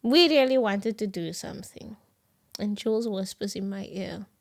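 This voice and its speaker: A young South African woman co-hosting a podcast in casual chat, animated, laughing often and sometimes dropping to a whisper. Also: medium pitch, moderate pace, creaky. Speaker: podcast co-host.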